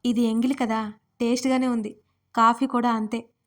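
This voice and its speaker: An irritable young male romantic lead, curt and snappish, dropping English words into his lines, as a woman narrator puts him on. His voice sits a little high and loud for a man, with a plain, close sound. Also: flat delivery, moderate pace, close to an everyday voice. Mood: tender.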